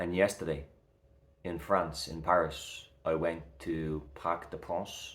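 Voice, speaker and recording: Speaking at a very slow pace, a man with a very deep, low pitch keeps a monotone, flat intonation. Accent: Dublin. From Ireland, Dublin. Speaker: mental health vlogger. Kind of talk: personal vlog monologue. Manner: emotional, reflective.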